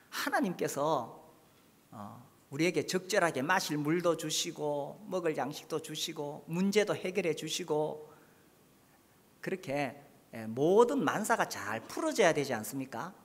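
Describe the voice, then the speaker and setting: Lively preaching man in a reverberant hall. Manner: lively, rises and falls in pitch, asks the congregation questions. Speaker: pastor. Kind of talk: sermon.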